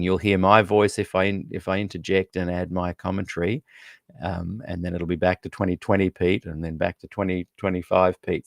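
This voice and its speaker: A man's voice: low voice, vocal fry, dry recording, studio quality. A man hosting a podcast, giving a casual, chatty spoken introduction with frequent fillers. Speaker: podcast host.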